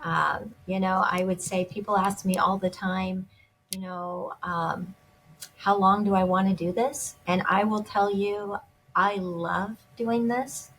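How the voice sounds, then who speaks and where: A woman's voice: mid-range voice, steady tone, slow pace, fairly bright tone, slight background noise, rough recording. A woman gemologist and jewelry designer speaking as an interview guest, enthusiastic and often restarting her sentences.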